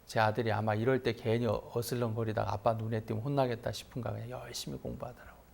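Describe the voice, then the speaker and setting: A man's voice: mid-range voice, fast, vocal fry. A middle-aged man, a pastor, telling a personal story in a sermon and letting his voice rise sharply for emphasis. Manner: lively anecdotal preaching, voice rising sharply for emphasis.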